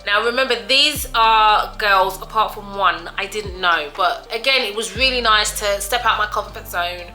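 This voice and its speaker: A woman's voice: mid-range voice, moderate pace, hardly any pauses, bright, forceful tone, echoey room, faint music behind. A woman vlogging a restaurant review, telling a story in a chatty, dramatic way and calling her viewers guys and darling. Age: older than her friends, adult. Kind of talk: casual storytelling to camera.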